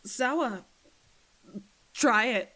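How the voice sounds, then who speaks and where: A woman's voice: fairly high pitch, expressive, extremely slow, sharp tone, heavily acted. A woman playing a panicked, foul-mouthed, sarcastic spaceship captain in a sci-fi audio drama, muttering and swearing to herself in a naturalistic way. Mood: exasperated.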